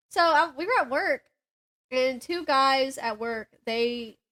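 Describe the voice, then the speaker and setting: Woman podcast cohost, high voice, super casual n chatty, slangy, acts out little quotes when telling stuff. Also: slow. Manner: informal, slangy, animated retelling with acted-out quotes. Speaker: co-host of a book podcast.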